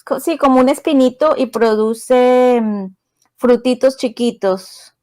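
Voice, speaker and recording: A woman's voice: sits high, slow pace, mellow, no echo, clean studio sound. A woman co-hosting a podcast interview, adding short supportive remarks.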